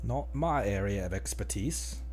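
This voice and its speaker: A man's voice: lowish voice, expressive, unhurried, darkish tone, faint music behind. A man doing casual live commentary as he streams a video game.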